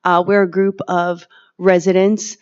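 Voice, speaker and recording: A woman, president of a residents' group, addressing a town board from a podium, polite and a little halting. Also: on the low side, level tone, darkish tone, smooth. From Long Beach, New York. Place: town hall meeting room at a podium. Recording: dull lo-fi audio, podium mic.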